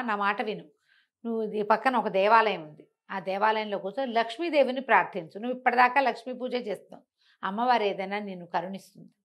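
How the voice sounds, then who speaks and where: A woman storyteller voicing a kindly male divine sage who gives gentle, reassuring advice in a folk tale. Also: fairly high pitch, close to an everyday voice. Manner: gentle, advising.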